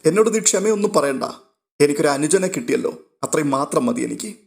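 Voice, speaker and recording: A man voicing a kind, tearful young woman who gently comforts her family as she leaves. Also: on the high side, expressive, fairly quick, creaky. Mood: tender. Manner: gentle, soothing, motherly.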